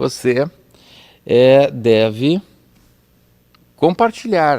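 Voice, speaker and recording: A man speaks. His pitch swings very widely. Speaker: pastor teaching Bible school. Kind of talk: online Bible class lesson. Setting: live online broadcast.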